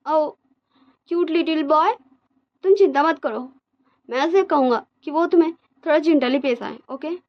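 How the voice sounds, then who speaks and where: A woman's voice: high voice, moderate pace, pauses often, dull audio, pitched above the performer's own voice, close to an everyday voice. A woman voicing a smug man who reassures in a sugary, patronizing way in a spoken fan story. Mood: cooing. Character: smug cooing man soothing a captive.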